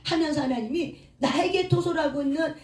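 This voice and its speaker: A woman's voice: high voice, a little fast, darkish tone. A woman pastor giving a sermon who leads the congregation in call-and-response and acts out prayers with rising emotion. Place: church or prayer hall. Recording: echoey room, mic at a distance.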